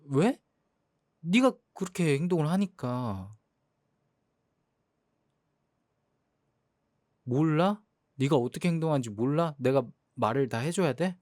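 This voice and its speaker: A man's voice: a little high, expressive, normal speed, a little mellow, dry recording, clean studio sound, lightly acted. A young man playing a jealous boyfriend in a role-play drama, sulky and exasperated. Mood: hurt. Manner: sulky, hurt, exasperated complaining.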